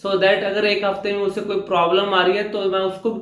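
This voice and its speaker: A speaking coach giving a reassuring vlog lesson to viewers, repeating phrases and mixing in English words. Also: male voice, high voice, completely flat delivery, a little fast, fairly bright tone, reverberant.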